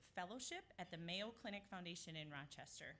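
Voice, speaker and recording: Ordinary pitch variation marks this woman's fairly quick speech. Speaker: college advancement staff. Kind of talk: speaker introduction. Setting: stage with audience. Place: hall. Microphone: podium.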